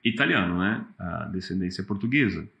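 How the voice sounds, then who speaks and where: A man, a pastor, telling stories about his church life in a relaxed, animated way. He often acts out what other people said. The sound is a bit dull and lo-fi. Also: low-pitched, fairly quick, creaky. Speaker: pastor and worship leader. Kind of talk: casual interview storytelling.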